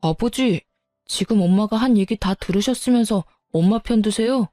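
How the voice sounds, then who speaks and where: A woman voicing a young husband who loudly takes his wife's side against his mother. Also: mid-range voice, normal speed, no room sound, studio quality, soft background music, natural voice. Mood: defiant. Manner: loud, indignant, pleading with his mother. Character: hot-tempered young husband defending his wife. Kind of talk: audio drama story reading.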